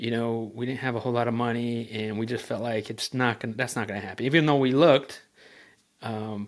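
With an American accent, a man speaks in a plain, everyday voice at medium pitch, using fairly even intonation and a fairly quick pace. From Los Angeles, California. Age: 40s. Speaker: homesteader and video creator. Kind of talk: interview.

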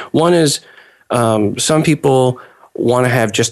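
Noticeable background noise runs under the recording. The man's pitch varies in an ordinary way. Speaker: podcast hosting company rep. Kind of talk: recorded interview.

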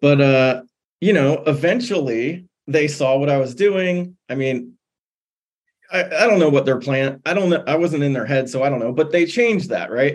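This man has a normal speaking voice, fairly high in pitch, with ordinary pitch variation at a moderate pace. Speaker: beer certification trainer. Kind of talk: workshop Q&A. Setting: video call.

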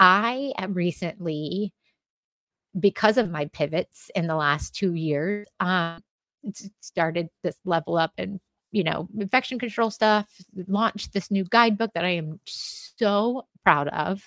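An unremarkable speaking voice from a woman, medium in pitch and fairly slow, with ordinary pitch variation and a dry, close sound with no echo. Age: 40s. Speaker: dental hygienist and educator. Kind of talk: casual chat. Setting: podcast recording.

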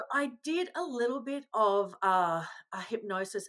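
Speaking with an Australian accent, a woman moves through very wide pitch swings. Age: 40s. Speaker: journalist and TV presenter. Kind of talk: interview. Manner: animated.

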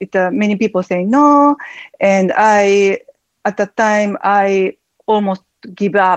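A woman with a medium pitch and a Japanese accent, in a dry, close sound without echo. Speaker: aspiring life coach. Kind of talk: coaching conversation. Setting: online audio room. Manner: halting.

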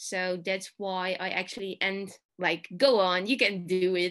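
An unremarkable speaking voice at a fairly slow pace over a quiet background. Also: woman. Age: 20s. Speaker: eating disorder recovery advocate and poet. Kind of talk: casual interview.

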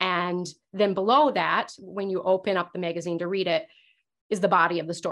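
A woman's plain, everyday voice at medium pitch with an American accent, ordinary pitch variation and a fairly quick pace, on a very clean recording with a silent background. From United States. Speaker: copywriting and design consultant. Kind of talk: interview.

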